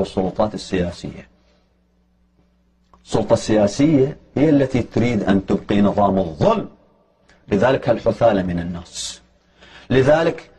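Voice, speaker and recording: A man's voice: mid-range voice, a little mellow, breathy edge. A man giving a heated, argumentative religious lecture, pressing his points with emphatic challenges.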